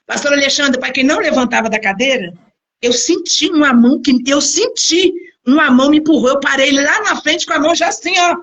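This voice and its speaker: A middle-aged woman from Brazil speaks as a pastor sharing her testimony. Her voice sits high. She tells the story with animated energy, slipping into the voices of the people she quotes. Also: a little fast, muffled recording. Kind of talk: personal testimony.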